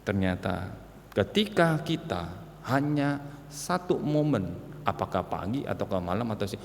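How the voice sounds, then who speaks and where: Animated male pastor, echoing church hall. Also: on the low side, measured pace, creaky, slight background noise. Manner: swings from soft asides to loud emphatic peaks; colloquial, repetitive phrasing. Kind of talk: conversational sermon. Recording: reverberant hall.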